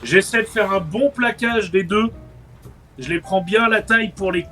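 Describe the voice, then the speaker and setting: A man's voice: high-pitched, normal speed, bright, forceful tone, soft background music. A man with a French accent, a player in a tabletop role-play, making playful quips. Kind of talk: casual tabletop game banter.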